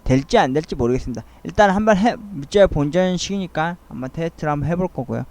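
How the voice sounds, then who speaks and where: A middle-aged man with a slightly high-set voice talks to himself in an essay-like ramble. He pauses often and sounds earnest and a little wistful, as the host of a solo monologue. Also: animated, darkish tone. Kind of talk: rambling soliloquy, audio essay.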